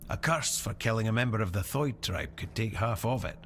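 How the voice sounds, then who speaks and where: An actor playing a weary, proud tribal warrior in a fantasy role-playing game, speaking gravely and deliberately with a fatalistic air. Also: male voice, fairly low pitch, expressive, fairly bright tone, slight background noise. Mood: guarded, proud. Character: weary, proud tribal warrior man camped at sealed doors.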